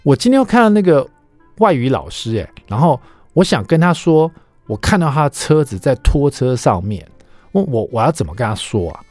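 A man putting on the voice of an eager, excited kindergarten boy who blurts out exclamations, in a radio studio. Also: medium pitch, fairly quick, dry recording, faint music behind, lightly acted. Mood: pleading.

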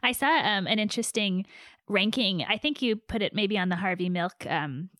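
A woman interviewing a guest for a broadcast, affirming and asking questions in a friendly way with quick back-channel replies. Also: mid-range voice, fairly bright tone, no echo, clean studio sound. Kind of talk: radio interview.

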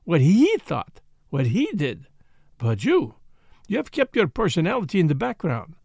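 Detective role: older, French accent, vain yet kindly, formal and theatrical, lively high-set delivery, audiobook. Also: male voice, normal speed, vocal fry, no echo, studio quality, heavily acted. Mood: teasing, kindly. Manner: formal, courteous, emphatic phrasing with inverted word order.

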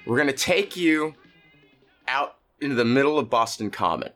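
A man's voice: mid-range voice, animated, normal speed, fairly bright tone, soft background music. A man co-hosting a comedy podcast, laying out a silly plan step by step. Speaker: podcast co-host. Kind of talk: improvised comedy chat.

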